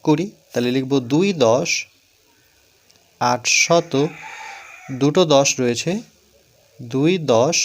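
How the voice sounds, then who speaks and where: This medium-pitched male teacher walks students through a math lesson, saying the numbers slowly and more than once. He questions the class and answers himself.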